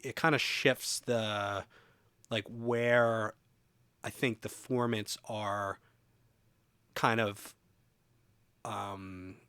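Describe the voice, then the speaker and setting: A man giving a casual software walkthrough as a music production tutorial presenter, thinking aloud informally as he demonstrates. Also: fairly low pitch, fairly even intonation, very slow, pauses often, smooth, no echo.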